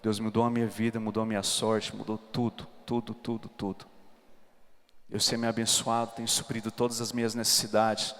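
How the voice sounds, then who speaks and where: A man's voice: lowish voice, completely flat delivery, normal speed, fairly bright tone. Earnest male preacher in a reverberant hall. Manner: earnest, emphatic preaching to a congregation. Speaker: preacher giving a testimony. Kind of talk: sermon testimony at a church congress. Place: large church hall.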